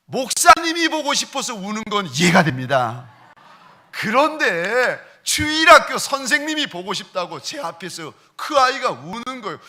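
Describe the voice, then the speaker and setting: A male pastor telling a story during a sermon, with dramatic shifts in loudness and pace. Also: high voice. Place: church sanctuary.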